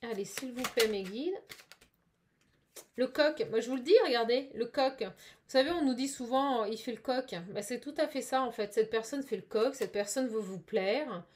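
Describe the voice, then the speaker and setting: A woman with a somewhat high voice talks through a spiritual card reading. She pauses often with fillers and restarts her sentences, keeping an encouraging, chatty tone throughout. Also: darkish tone. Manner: hesitant, many fillers and restarts. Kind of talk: casual card-reading guidance.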